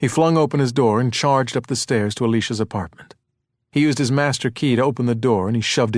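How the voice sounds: A quiet background behind a natural reading voice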